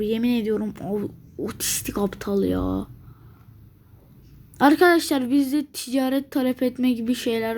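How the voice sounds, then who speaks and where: A woman's voice: high-pitched, creaky. A woman commenting on a strategy game she is playing, grumbling in exasperation and thinking aloud to herself. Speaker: gameplay video maker.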